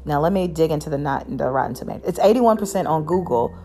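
A woman's voice: low voice, expressive, fast talker, dark tone, slight background noise. A woman hosting a casual solo podcast, chatting in a rambling way with many fillers and restarts. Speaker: podcast host.

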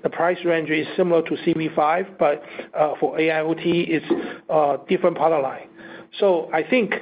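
A man with a fairly high voice comes through a narrow, phone-like line with faint noise. He is a company executive answering questions on an earnings call, speaking haltingly and repeating words as he goes. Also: steady tone. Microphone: conference call line.

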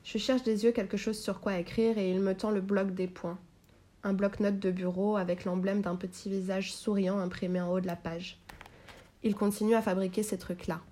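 Woman reader, mid-pitched and mellow, for a measured first-person audiobook narration. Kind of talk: audiobook reading of a novel.

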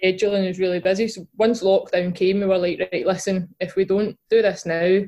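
A woman's voice: medium pitch, fairly even intonation, a little fast, warm tone, highs cut off. A young woman with a Glaswegian accent, a guest chatting casually in an interview, with lots of fillers and restarts. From Scotland. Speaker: guest, footballer and podcast co-host.

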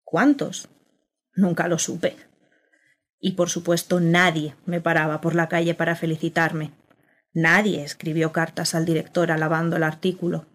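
A woman narrating a radio drama in the first person as a journalist, in a reflective, quietly bitter way. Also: low-pitched, little pitch movement, moderate pace.

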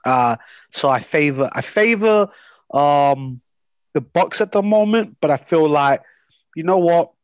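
Excitable guy, english not his first language, co-hosting a sports pod, dry close sound, lots of uhs. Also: on the high side, unhurried, no room sound. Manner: excitable, joking, hesitant with fillers. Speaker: podcast co-host. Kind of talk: casual sports chat. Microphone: video call.

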